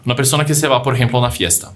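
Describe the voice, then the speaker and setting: A man co-hosting a religious podcast, speaking a language that is not his first. His voice sits at a middle pitch. He explains things in plain examples and often breaks off a word to restart it as he hunts for the right phrasing. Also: steady tone, rapid-fire, a bit bright. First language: not Spanish. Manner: explains with examples and acted-out quotes, frequent restarts. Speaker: podcast co-host.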